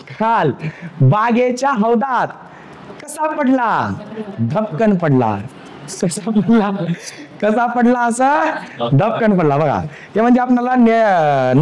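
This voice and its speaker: High-voiced man lecturing on grammar. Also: slight background noise. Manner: asks the class questions and answers them himself; repeats key terms and example sentences. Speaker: teacher.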